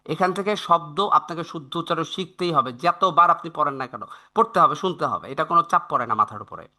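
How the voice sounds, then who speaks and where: A man with a Bangladeshi accent teaching English in an online live class over a video call, explaining step by step and slowly repeating English sentences. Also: on the high side, pushed and bright.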